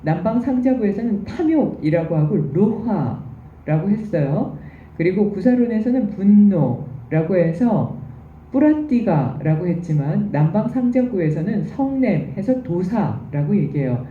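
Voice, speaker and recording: A woman's voice: mid-range voice, very animated, unhurried, a little hiss or hum. A woman giving a recorded university lecture, explaining terms patiently and step by step. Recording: echoey, distant, dull room recording.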